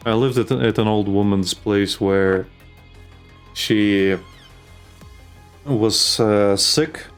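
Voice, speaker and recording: A man co-hosting a stream, chatting casually in a rambling, halting way with many fillers. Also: on the low side, clear, resonant tone, faint music behind. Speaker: stream co-host. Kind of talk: casual chat.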